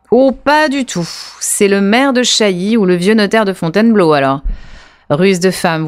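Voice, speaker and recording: A woman co-hosting a library radio show, reading a classic novel aloud in a measured way with a few small slips. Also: mid-range voice, a little mellow, dry recording, studio quality. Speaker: co-host reading a novel excerpt.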